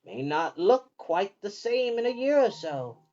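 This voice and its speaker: Storyteller acting storybook old woman, anxious, stubborn, hesitant, varied pitch, dull recording. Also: very animated, a little slow, a little mellow.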